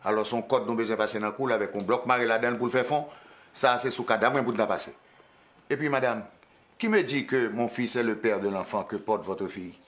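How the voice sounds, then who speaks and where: A man's voice: medium pitch, fairly even intonation, a bit bright, close to an everyday voice. An actor playing a formal, defensive father in a film. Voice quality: formal, measured speech.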